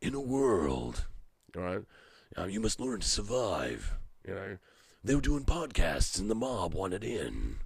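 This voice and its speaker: Putting on a character voice, a man speaks in a fairly low pitch with very wide pitch swings at a moderate pace, taking long, frequent pauses. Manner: dramatic.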